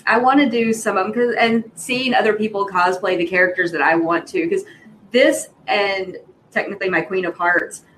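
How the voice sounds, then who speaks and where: A woman with a Southern US accent, co-hosting a podcast in lively, self-deprecating chat. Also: medium pitch, moderate pace, a little hiss or hum. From American South. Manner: animated, laughing, self-deprecating. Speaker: podcast co-host.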